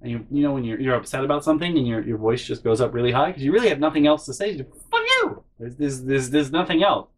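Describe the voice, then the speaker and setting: A young man talks through an old hurt in a storytime monologue. He sounds bitter and emotional and swears freely, and his voice jumps high when he is upset. Faint music plays underneath. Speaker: channel host. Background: faint background music.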